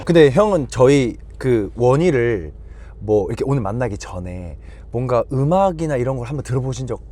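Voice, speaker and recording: A man's voice: medium pitch, lively intonation, brisk, warm tone. A young man, a band member hosting, casually interviewing a guest with friendly questions.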